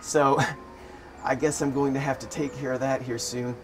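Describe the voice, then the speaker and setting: A man chatting in a relaxed, wry and amused way as he tells everyday stories for his vlog. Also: mid-range voice, moderate pace, soft background music. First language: English. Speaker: vlogger. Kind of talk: casual storytelling vlog. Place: living in Thailand.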